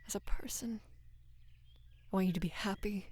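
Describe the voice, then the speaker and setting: A young woman playing a devoted, lovestruck female knight in an intimate roleplay audio, speaking in a hushed, breathy, halting and earnest way. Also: mid-range voice. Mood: earnest, worried. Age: young adult. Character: devoted female knight, tender, anxious, in love with queen. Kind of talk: intimate roleplay audio, soft acted monologue.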